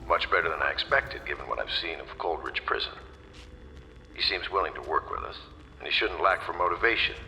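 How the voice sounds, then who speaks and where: An actor playing a calculating, guarded conspirator who speaks in a measured, cool, formal way. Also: male voice, a bass voice, creaky, bright, forceful tone, full character voice. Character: calculating, guarded male conspirator musing over a new recruit. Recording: reverberant room, faint noise.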